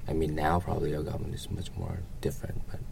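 A man from Vietnam, answering interview questions casually and haltingly, often hedging with "you know" and "like". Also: rumbling low, level tone, creaky, noisy background.

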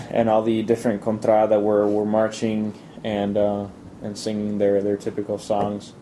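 A young man from Italy chatting casually in an interview, relaxed and halting, with lots of fillers and restarts. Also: fairly low pitch, slight background noise, poor audio. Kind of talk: casual chat.

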